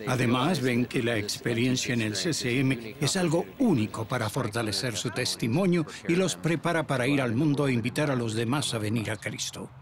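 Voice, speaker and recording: A man giving interview remarks in a slow, deliberate manner. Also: mid-range voice.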